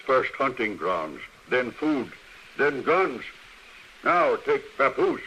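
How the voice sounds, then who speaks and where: A terse, distrustful tribal hunter, swooping voice. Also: male voice, medium pitch, very animated, takes it slowly, bright, forceful tone, full character voice. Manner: clipped broken English, blunt short phrases. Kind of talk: old-time radio western acting. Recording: faintly noisy vintage radio recording.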